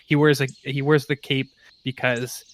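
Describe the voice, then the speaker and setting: A man playing a tabletop roleplaying game, casually improvising descriptions of his character and thinking aloud in a halting way. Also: medium pitch, level tone. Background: music.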